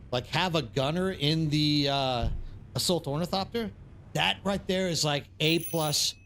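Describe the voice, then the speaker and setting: American guy livestreaming a game, kinda higher voice, rambly and informal, just chatting with viewers. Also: fairly bright tone, slight background noise. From East Texas, United States. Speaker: live streamer. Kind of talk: casual chat with livestream viewers while gaming.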